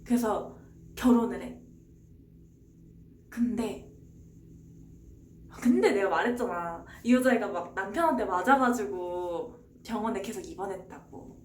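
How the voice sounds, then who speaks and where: A woman's voice: medium pitch, measured pace, pauses often. A young woman streamer casually retelling a novel's plot, chatty and rambling, answering her viewers as she talks. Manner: chatty, rambling, answers chat with short replies. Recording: roomy echo, faint background hiss.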